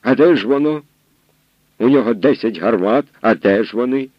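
A man's voice: mid-range voice, moderate pace, slightly rough, no echo, lo-fi sound, lightly acted. A man voicing a scornful, argumentative male nobleman in an audiobook reading. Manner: mocking, argumentative. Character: scornful male nobleman, sharp-tongued lord.

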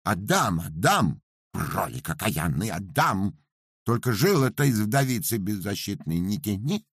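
Male reader doing a quick, plaintive peasant widow, a little higher than his own husky voice. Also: sing-song, no echo, studio quality, exaggerated voice.

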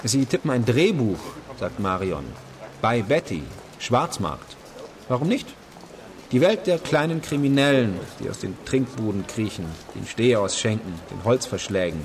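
An actor playing a worldly, theatrical screen star turned black marketeer, declamatory and sardonic, in a German radio play. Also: male voice, mid-range voice, animated, normal speed, close to an everyday voice. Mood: grandiose, sardonic. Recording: busy urban crowd behind the voice.

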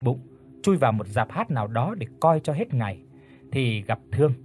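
A man narrating an audiobook story with a steady, even reading. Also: medium pitch, moderate pace, husky.

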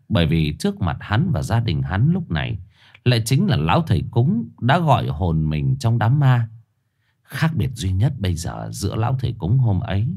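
A man's voice: sits low, warm tone. A man telling a scripted horror story dramatically.

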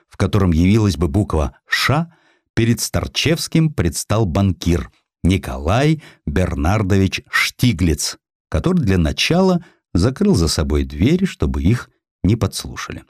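A man's voice: deep voice, sing-song, moderate pace, a little mellow, no echo, studio quality. A man delivering dramatic scripted narration of history as an audiobook narrator.

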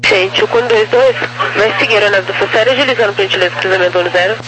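A Brazilian man with a high-pitched voice works air traffic control radio. He gives brisk, procedural instructions in standard phraseology. The transmission carries clear noise and hum. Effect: aviation radio transmission.

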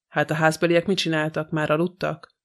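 A man reading an audiobook, voicing a stern, impatient male magistrate who questions briskly. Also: on the high side, little pitch movement, fairly bright tone. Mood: questioning.

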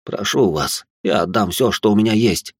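A man's voice: fairly low pitch, normal speed, breathy edge, no room sound, studio quality. A man voicing a frightened, pleading older male jeweler who begs and wails. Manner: begging, wailing.

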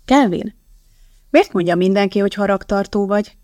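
A woman voicing a sharp, skeptical young woman chemist in an audiobook, with a pointed, questioning manner. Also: medium pitch, no echo, studio quality, close to an everyday voice. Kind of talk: audiobook character voice.

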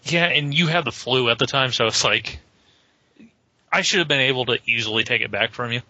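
A male podcast co-host making deadpan jokes in a casual chat. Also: medium pitch, fairly quick, dry recording, lo-fi sound.

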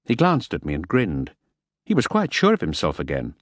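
A man reading a first-person novel aloud as an audiobook narrator, measured and wry. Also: sits low, huge pitch swings, no echo.

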